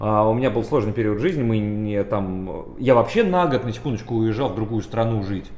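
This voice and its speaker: The speech moves at a moderate pace with hardly any pauses, against noticeable background noise. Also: man, medium pitch for a man, ordinary pitch variation. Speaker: TV host. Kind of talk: casual chat. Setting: studio.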